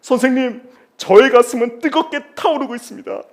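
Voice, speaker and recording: A man's voice: extremely high pitch, fairly quick, voice pushed up. A man acting out an impassioned teenage schoolboy who pleads melodramatically with his teacher, declaiming and wailing. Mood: anguished.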